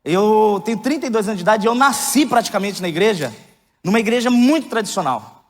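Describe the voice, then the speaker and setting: A man in his thirties preaching a candid, joking sermon that builds to loud, emphatic outbursts. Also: sits high, animated, a little fast. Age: 30s. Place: church hall. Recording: long hall reverb.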